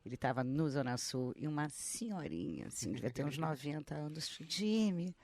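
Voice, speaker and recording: A woman's voice: low voice, lively intonation, moderate pace, darkish tone. A woman co-hosting a radio show, bubbly and effusive, laughing often in casual chat. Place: radio studio.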